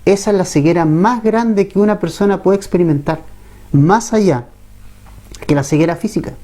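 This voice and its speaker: A man's voice: high voice, moderate pace, warm tone. A man with a Chilean accent preaching a Bible-teaching sermon as pastor, talking conversationally and often asking the congregation questions. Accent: Chilean Spanish.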